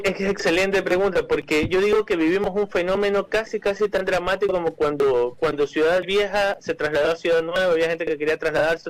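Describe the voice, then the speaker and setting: Hesitant, higher-voiced Ecuadorian man. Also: low-quality recording. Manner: hesitant, repeats words and restarts often with many "eh" fillers. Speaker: cultural manager, interview guest. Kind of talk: explanatory interview answers.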